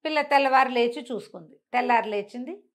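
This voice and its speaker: A woman telling a folk tale in a conversational, expressive storyteller's way, repeating phrases for emphasis. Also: a little high, fast.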